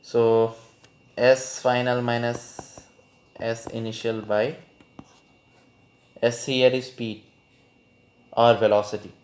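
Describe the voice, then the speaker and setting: A man's voice: medium pitch, level tone, takes it slowly, long pauses, a little mellow, a little hiss or hum. A man with a South Asian accent teaching informally, repeating phrases for emphasis and posing questions that he answers himself. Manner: poses student questions and answers them himself. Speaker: physics teacher. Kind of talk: informal spoken lesson. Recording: echoey room sound.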